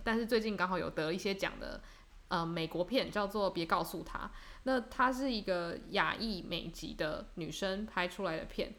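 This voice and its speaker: A woman's voice: mid-range voice, fairly bright tone. A young woman from Taiwan co-hosting a podcast, chatting casually and reflectively, with fillers and restarts. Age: young adult. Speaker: podcast co-host. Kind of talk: casual chat.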